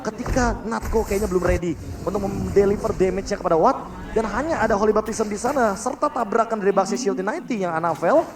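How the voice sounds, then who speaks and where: A man's voice: high-pitched, quick pace, crowd noise. A man with an Indonesian accent giving analytical live esports commentary, explaining plays in an emphatic way. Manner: explanatory, emphatic with repeated intensifiers.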